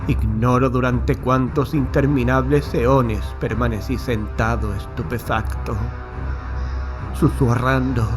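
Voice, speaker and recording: A man's voice: medium pitch, steady tone, slow pace, over music. A man narrating a horror audiobook in the first person, with a solemn, literary, dramatic delivery.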